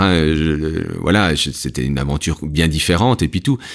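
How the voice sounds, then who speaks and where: Lively intonation marks a man's speech. He talks at a moderate speed. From France, Besançon (Franche-Comté). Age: 40s. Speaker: university researcher and startup CEO. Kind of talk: interview, casual chat. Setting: in person at company premises. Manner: hesitant, many fillers.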